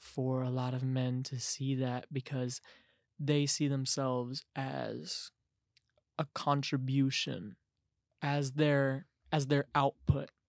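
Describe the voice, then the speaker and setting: Speech unfolds at a very slow pace. The background is silent, and the recording very clean. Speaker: podcast host. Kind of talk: casual chat. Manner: self-deprecating, filler-heavy, animated.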